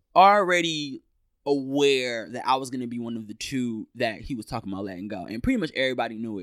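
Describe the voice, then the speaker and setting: A man with an American accent speaks in a normal speaking voice at a medium pitch, with lively intonation and a fairly quick pace. The recording is very clean with a silent background, dry and close with no echo. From Detroit, US Midwest. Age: 20s. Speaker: comedian and TV writer. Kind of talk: casual chat.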